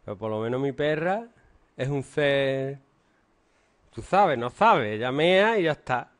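A middle-aged man with a Spanish accent, teaching an English grammar lesson to a class in a joking, deliberate way. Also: on the high side. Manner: joking, animated, slow and deliberate.

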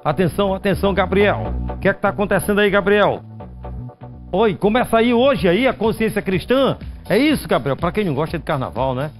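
A middle-aged man hosting a live TV news show in the studio, in a chatty, animated way. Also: high-pitched, brisk, soft background music. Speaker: TV news host.

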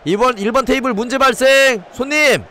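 A man streaming a football game live with a head cold and sore throat, joking in a mock nightclub-waiter patter and shouting excitedly at shots on goal. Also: very high-pitched, a little fast. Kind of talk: live gameplay commentary.

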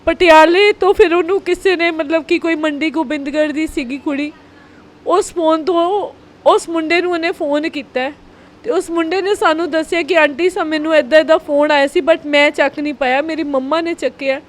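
High-voiced tearful mother. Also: fairly even intonation, moderate pace. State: tearful, upset. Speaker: mother of a missing girl. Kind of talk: tearful interview answers.

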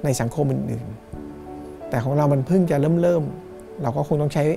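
Middle-aged Thai man, cinema owner, reflective interview, gravelly low-key voice, faint music bed. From Thailand. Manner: thoughtful, unhurried, with fillers and restarts. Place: small cinema in front of a screen, indoors.

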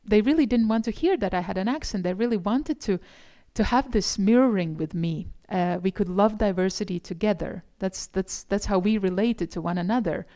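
A middle-aged woman from gives a conference lecture, explaining and reflecting in a halting, thoughtful way. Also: medium pitch, dark tone. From Eastern Europe. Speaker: academic keynote speaker. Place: indoor conference room, presenting in front of slides.

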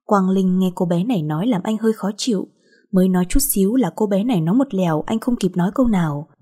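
A woman reading a short romance story aloud as the narrator, in a steady, even storytelling manner. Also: mid-range voice, fast talker, slightly rough.

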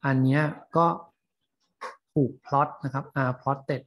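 A man teaching a class, explaining English terms in a scientific paper slowly with frequent fillers and pauses. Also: mid-range voice, level tone, muffled recording, a little hiss or hum. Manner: slow, halting, many fillers. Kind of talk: lecture on reading scientific English.

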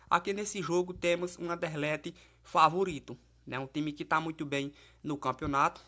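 A man's voice: fairly high pitch, pushed and bright. Chatty Portuguese-speaking man giving football bets. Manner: chatty, fillers like "né?" and "beleza?", addresses viewers as "família" and "galera". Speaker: football betting tipster. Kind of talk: casual betting-tips commentary over app screenshots. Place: voice-over, not recorded in the pictured place.

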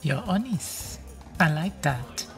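A woman's voice: low voice, lively intonation, slow. An actress playing an elegant, coy, mysterious seductive vampire woman in an audio drama, speaking in brief formal phrases. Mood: coy, flirtatious. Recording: music clearly behind the voice.

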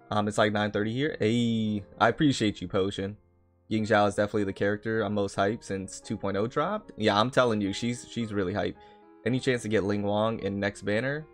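Low-voiced man chatting on a gaming livestream. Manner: repeats phrases, chatty and informal. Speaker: live streamer. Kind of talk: casual gaming livestream chat, greeting viewers. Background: background music.

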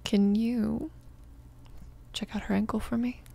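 Female mafia boss, acted by a woman, soft and creaky, protective yet apologetic, hesitant ASMR romance delivery. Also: fairly high pitch, little pitch movement. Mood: concerned, explaining. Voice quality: soft, creaky, breathy whispering at times. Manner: hesitant, reassuring, halting. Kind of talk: ASMR romance roleplay, often whispered.

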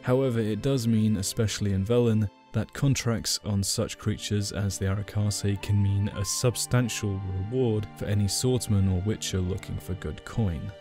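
A man's voice: on the low side, fairly even intonation, normal speed, hardly any pauses, a little mellow. A man narrating a video game lore explainer in a casual way, adding dry joking asides. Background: faint game soundtrack music.

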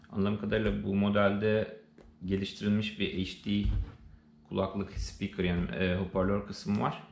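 Low-pitched gravelly Turkish man. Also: darkish tone. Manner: unscripted, hesitant, thinking aloud. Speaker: unboxing presenter. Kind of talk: casual unboxing commentary. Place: indoors, living room. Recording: roomy, echoey sound with faint noise.

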